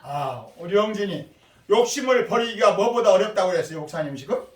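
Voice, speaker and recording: A man's voice: high voice, brisk. Grandfatherly pastor heard from across the room. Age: older. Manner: lively, quizzes children and calls on them by name. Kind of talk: sermon. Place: church sanctuary. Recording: echoey room from far off.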